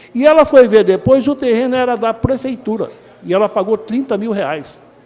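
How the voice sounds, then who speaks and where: Over noticeable background noise, the delivery keeps a moderate pace and ordinary pitch variation. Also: man, extremely high pitch for a man. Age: 60s. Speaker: city inspection director, retired police officer. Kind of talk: testimony at council hearing. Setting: council chamber session. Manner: halting.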